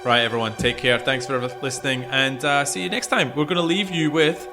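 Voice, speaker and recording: A man's voice: mid-range voice, steady tone, fairly quick, over music. A man co-hosting a podcast in casual, chatty conversation. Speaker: podcast co-host. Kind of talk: casual music chat.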